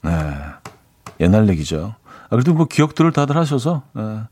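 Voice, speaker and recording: A man's voice: mid-range voice, sing-song, moderate pace, a little mellow. A man hosting a radio show in a casual, chatty way, laughing at his own jokes and reading out listener messages in a studio. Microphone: studio microphone.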